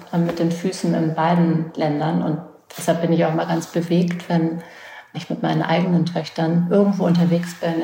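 A woman in her forties from Berlin, speaking low and flat with a gravelly edge. She tells personal memories as an interview guest, often pausing to look for the right words. Her mellow voice sits in an echoey room. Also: slight background noise. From West Berlin, Germany. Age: 40s. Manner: thoughtful, searching for words, frequent restarts. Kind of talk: reflective personal storytelling.

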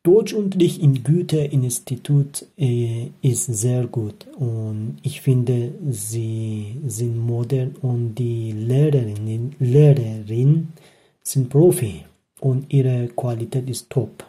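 A man from Afghanistan, a language learner, speaking slowly and carefully in recorded messages. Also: mid-range voice, warm tone, husky. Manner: slow, careful learner's German.

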